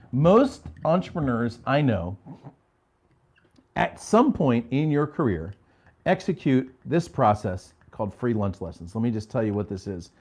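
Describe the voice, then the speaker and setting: A man's voice: medium pitch, darkish tone. A middle-aged man, a business coach, telling stories from his career in a home office in a casual way, often checking in with "okay?". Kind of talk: storytelling business talk to a live audience.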